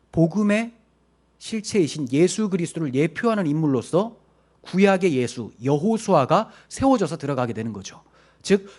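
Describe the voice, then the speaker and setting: Male pastor, fairly high voice with lots of rise and fall, steady explanatory preaching, asks and answers his own questions. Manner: explains verses with rhetorical questions. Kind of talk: sermon. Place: church.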